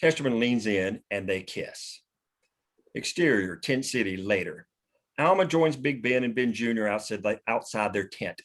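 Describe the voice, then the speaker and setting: A man with a fairly low voice narrates a screenplay at a table read. He reads out scene headings and action as scripted narration. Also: expressive, moderate pace. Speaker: screen direction reader.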